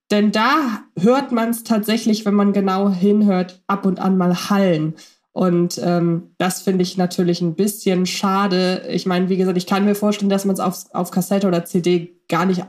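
A woman's voice: medium pitch, darkish tone. Woman, reflective podcast co-host. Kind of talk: conversational podcast discussion.

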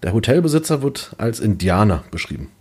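A man's voice: fairly low pitch, very animated, a little fast, a little mellow, husky. A man co-hosting a podcast, speaking in a casual discussion style. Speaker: podcast co-host.

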